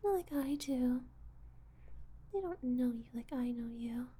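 A woman in a whispered audio roleplay, voicing a possessive, controlling woman who calls herself Mommy and talks slowly, coaxing and condescending. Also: sits high, animated, full character voice. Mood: cooing. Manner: soft breathy whispering, slow and coaxing; condescending, teasing.

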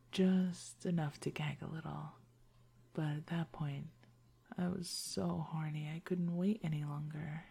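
A woman playing a husky, whispering, teasing girlfriend. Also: deep voice, heavily acted. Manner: whispery, hushed and intimate. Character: adult woman, teasing devoted girlfriend, playful. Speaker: voice actress in an intimate audio roleplay. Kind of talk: intimate whispered roleplay.

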